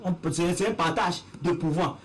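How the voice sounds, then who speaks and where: A man from Cameroon, a guest in a heated TV panel debate, arguing forcefully and repeating himself for emphasis. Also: sits high, moderate pace.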